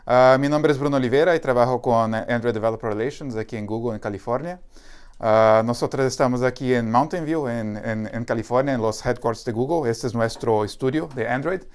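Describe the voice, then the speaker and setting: A man from Brazil with a Brazilian Portuguese accent, giving a live tech talk from a company studio in halting Spanish full of fillers and restarts. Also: mid-range voice, clean tone. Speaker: developer advocate.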